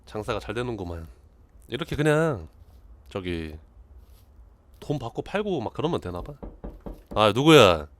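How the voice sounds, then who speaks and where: A man streaming a horror game, talking casually and jokingly to viewers and yelling in panic at times. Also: fairly low pitch, measured pace, long pauses. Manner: animated, jokey, shouts in panic.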